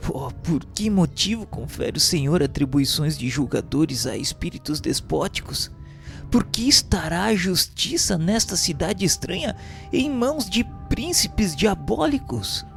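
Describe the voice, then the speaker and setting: Radio drama apprentice spirit, played by an actor: earnest, troubled questioner, formal diction, lively intonation, some creak. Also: mid-range voice, unhurried, faint music behind. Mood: anguished questioning.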